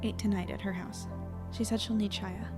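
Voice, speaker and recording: Exasperated small-town reporter played by a woman, mid-pitched. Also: steady tone, normal speed, music in the background, close to an everyday voice. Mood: calm. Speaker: podcast drama actress. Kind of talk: naturalistic audio drama acting.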